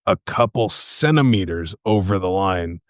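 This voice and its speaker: Brief: male podcast co-host, very low voice, relaxed storyteller, swears casually, close dry sound. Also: a little slow, dry recording. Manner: laid-back, profane, storytelling. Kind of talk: casual chat.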